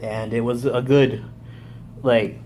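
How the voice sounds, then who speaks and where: A man's voice: medium pitch, takes it slowly, slight background noise. Rambling young man recapping wrestling. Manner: rambling, self-correcting, excitable. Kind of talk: casual live recap monologue.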